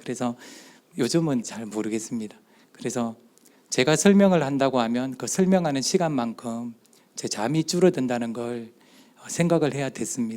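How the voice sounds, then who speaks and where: In a strong Gyeongsang accent, a man with a medium pitch and a dark, mellow tone speaks at a moderate pace. His intonation is lively, his loudness swings widely, and he takes long, frequent pauses. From South Korea, Gyeongsang (Daegu and Busan). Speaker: church elder and doctor giving a talk. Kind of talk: testimony lecture at youth retreat.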